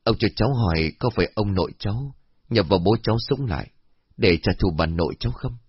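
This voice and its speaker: A man voicing a grieving young adult son who speaks gently and with restraint. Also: fairly low pitch, expressive, fast, husky, no echo. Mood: gentle. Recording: dull lo-fi recording.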